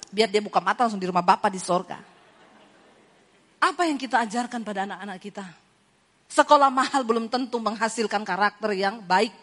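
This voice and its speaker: A woman preacher giving a lively sermon, telling stories and mimicking the voices of the people in them. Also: high-pitched. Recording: hall reverb.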